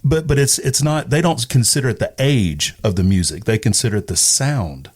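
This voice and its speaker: A man talking casually as an interview guest, recalling things in a halting, hedging way. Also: mid-range voice, slightly rough. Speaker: interview guest, radio personality. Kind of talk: casual conversational recollection.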